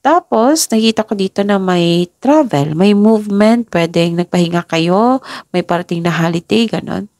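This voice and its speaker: A young woman from the Philippines with a head cold, giving a casual tarot reading in a polite, halting way. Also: mid-range voice, darkish tone, no echo, studio quality. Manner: polite, halting, stops and restarts often. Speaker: tarot reader.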